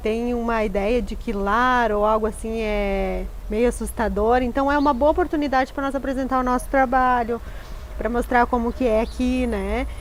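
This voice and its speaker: A woman's voice, high in pitch. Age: 30s. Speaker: nursing technician, care home owner. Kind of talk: interview.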